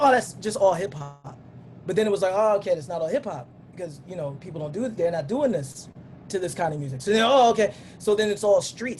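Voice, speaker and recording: Middle-aged man, high voice, casual panel talk, faint hiss behind. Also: a little mellow. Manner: loose, conversational, many restarts and asides. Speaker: panelist, street dancer.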